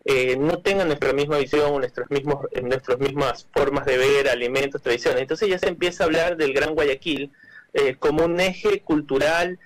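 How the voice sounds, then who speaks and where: An Ecuadorian man speaks as an interview guest, his voice sitting a little high for a man. He explains his views at length, often hesitating with fillers, restarting phrases and repeating words. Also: normal speed, poor audio. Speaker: cultural manager, interview guest.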